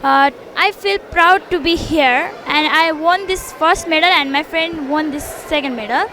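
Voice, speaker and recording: A woman's voice: high voice, a little slow. A young woman from Nepal, a karate athlete, hesitantly thanking her coaches with simple phrasing and fillers. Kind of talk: spoken thank-you statement to camera. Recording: noisy background with passing vehicles.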